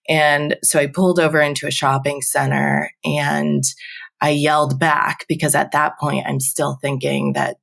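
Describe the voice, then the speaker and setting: Woman, twenties, low voice, vocal fry, podcast guest, conversational storytelling, frequent fillers. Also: fairly bright tone. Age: 20s. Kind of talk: personal story told in a podcast interview.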